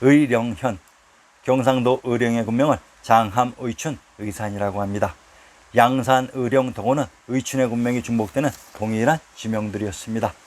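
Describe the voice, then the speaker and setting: A man giving scripted history narration, reading long lists of place names in a steady, measured way. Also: medium pitch.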